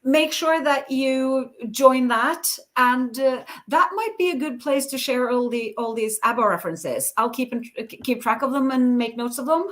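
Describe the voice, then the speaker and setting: A woman's voice: high voice, measured pace, hardly any pauses, a bit bright. A woman co-hosting a livestream over a video call, chatting casually with frequent fillers and easy laughter. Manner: chatty, laughs easily, hesitant with many fillers. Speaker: co-host of a livestream.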